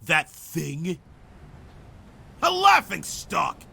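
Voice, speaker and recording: An actor playing a menacing, scornful older man in a horror game who mocks and shouts with a raspy, gravelly voice. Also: fairly high pitch, wildly swooping pitch, drawn-out words, full character voice. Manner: sneering, mocking, shouting.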